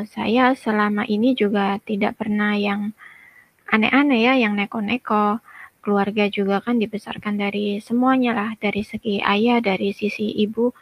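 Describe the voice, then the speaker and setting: A woman's voice: medium pitch, creaky, no echo, muffled recording. A woman in her thirties telling her personal testimony in a conversational way, with frequent fillers and direct asides to listeners. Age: 30s. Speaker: testimony guest.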